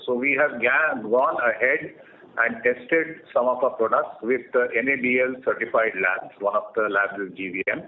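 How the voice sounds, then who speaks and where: A man with an Indian accent answering questions as a company executive on an earnings call, explaining in a measured way. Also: mid-range voice. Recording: tinny phone line with clear noise.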